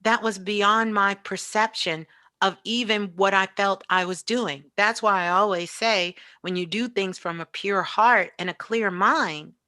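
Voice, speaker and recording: A woman with a medium-pitched, steady, sharp-toned voice speaks a little slowly, with no room sound in the recording. As an interview guest and spiritual teacher, she talks reflectively and conversationally, often checking in with the listener by saying "you know".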